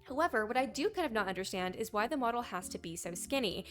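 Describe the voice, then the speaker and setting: A young woman with a hoarse, raspy voice from a sore throat, chatting casually as a gaming news commentator and reading posts aloud. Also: on the high side, expressive, fast, fairly bright tone, soft background music.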